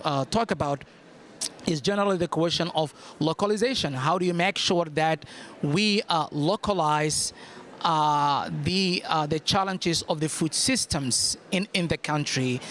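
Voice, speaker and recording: Higher-voiced man, emphatic panel speaker. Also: a bit bright, slight background noise. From Somalia. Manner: emphatic, enumerating points, repeats key phrases. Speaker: government policy director, panelist. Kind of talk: extemporaneous panel remarks.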